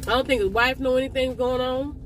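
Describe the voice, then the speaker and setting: Woman, talking with straw in mouth, casual car vlog, fairly high voice, clear traffic noise. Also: fairly even intonation, a little fast. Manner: chatty, opinionated, addresses viewers directly. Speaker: car mukbang vlogger. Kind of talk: casual chat to viewers while eating. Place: parked car by a street.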